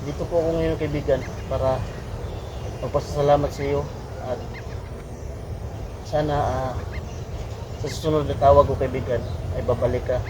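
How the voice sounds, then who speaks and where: The voice is a man's, of middling pitch, with a Filipino accent. He talks to his viewers casually and familiarly, halting and repeating phrases as he goes. The recording is made outdoors and is clearly noisy with wind. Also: steady tone. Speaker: adventure vlogger and host. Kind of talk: casual vlog narration to viewers. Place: outdoors in a windy, quiet spot.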